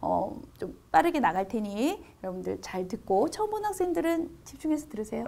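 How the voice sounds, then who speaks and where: Fairly quick speech from a woman with a high pitch. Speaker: Korean language academy teacher. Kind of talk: lecture. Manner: fast.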